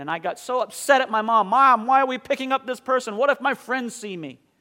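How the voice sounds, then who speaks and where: In a very clean recording with a silent background, a man speaks in a raised, projected voice with a bright, sharp tone. His pace is fairly quick, with ordinary pitch variation. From southern Maine (Bath). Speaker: pastor. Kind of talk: sermon. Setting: church.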